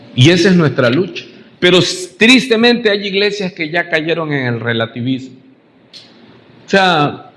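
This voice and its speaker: With audible room echo, a man speaks high-pitched and animated at a fairly slow pace, his voice making very wide pitch swings. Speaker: pastor. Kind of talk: sermon. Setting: church service. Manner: animated, many rhetorical questions.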